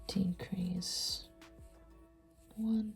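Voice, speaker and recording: A woman with a stuffy nose teaching a crochet tutorial, counting stitches aloud and often sinking to a soft near-whisper. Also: medium pitch, level tone, drawn-out words, gravelly, breathy edge, faint music behind. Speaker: crochet instructor. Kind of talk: step-by-step craft tutorial.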